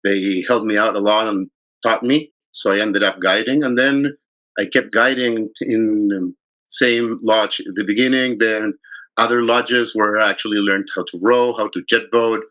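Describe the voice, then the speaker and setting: Bright-toned man telling his story. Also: on the low side, steady tone, poor audio. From Chile. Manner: rambling, halting storyteller who restarts sentences. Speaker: fly fishing guide. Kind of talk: casual interview conversation.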